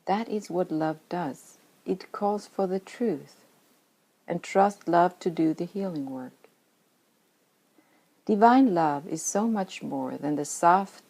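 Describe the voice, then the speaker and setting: Low-sitting, gravelly and darkish, this middle-aged Swedish woman's voice moves at a slow pace over a low-quality recording. A native Swedish speaker with a Swedish accent, she reads her own spiritual memoir in an earnest, reflective manner, sometimes whispering.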